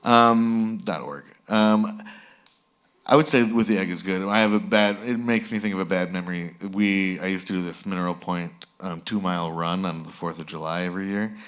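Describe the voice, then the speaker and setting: A man's voice: deep voice, fairly even intonation, normal speed, fairly bright tone. A man hosting a live interview, easygoing and dry in his joking. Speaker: host.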